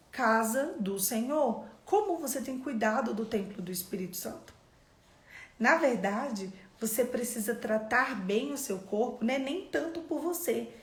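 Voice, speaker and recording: A woman's voice: a little high, darkish tone. A Brazilian woman leading a live-streamed devotional, speaking conversationally and putting direct questions to her viewers. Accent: Brazilian Portuguese. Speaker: devotional teacher. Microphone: phone or computer on a live stream. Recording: echoey room.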